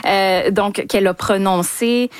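A woman's voice: mid-range voice, steady tone, a little slow, smooth, no echo. A woman presenting a book on a radio panel, talking with many hesitations and restarts. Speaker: cultural columnist. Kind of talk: presenting a book in casual discussion.

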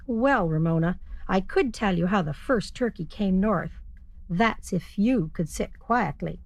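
A woman voicing Doreen, a patient, gentle female puppet who offers to tell a story. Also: medium pitch, expressive, a little slow, no echo.

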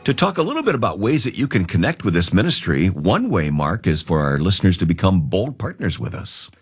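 Deep, husky male radio co-host. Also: big pitch swings, brisk. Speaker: radio program announcer and co-host. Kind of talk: scripted radio promotion, conversational.

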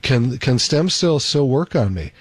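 Male radio host, doctor, relaxed chatty delivery, dry close studio mic. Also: medium pitch, a little slow, husky, no room sound. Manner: easygoing, chatty, with fillers. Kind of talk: live radio talk show. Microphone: studio microphone.

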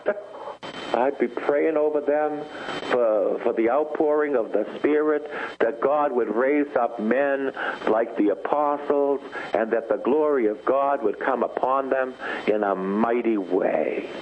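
A man's voice: medium pitch, a little slow. A man preaching and praying in a charismatic Christian style, emphatic and repeating phrases for effect. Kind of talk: charismatic Christian sermon and prayer. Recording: thin phone-like band, loud noise.

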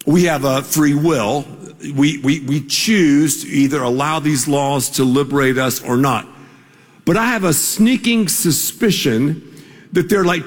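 A man preaching in a large church hall, his voice ringing with long reverb. He talks slowly and pitches a little high, mixing humor with emphatic declarations. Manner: storytelling with humor, emphatic bursts. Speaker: pastor. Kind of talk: sermon.

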